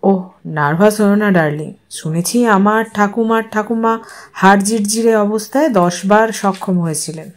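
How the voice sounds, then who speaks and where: A woman voicing a businesslike middle-class husband who instructs and placates in a measured way in an audio story. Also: medium pitch, lightly acted. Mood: placating.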